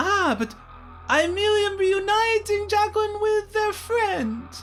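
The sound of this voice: A man in a put-on character voice at a moderate pace, with clear music in the background.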